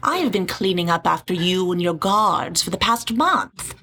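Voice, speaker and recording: A woman's voice: on the low side, expressive, moderate pace, bright, forceful tone, slight background noise. A woman playing an imperious, impatient village elder in an audio drama, commanding and coolly sarcastic. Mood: cool sarcasm.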